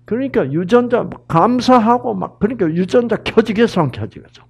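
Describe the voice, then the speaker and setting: A middle-aged man preaching a sermon, telling a story and questioning his listeners, dropping to whispers and rising to loud exclamations. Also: high-pitched, lively intonation, normal speed, vocal fry, breathy edge.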